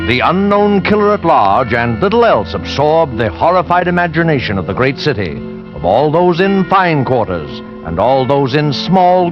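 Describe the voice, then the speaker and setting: An ominous host of a suspense radio show, voiced by a man. He speaks in measured tones with lively rises and falls in pitch. Music plays clearly behind him in a dull old broadcast. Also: lightly acted. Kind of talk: 1940s radio acting.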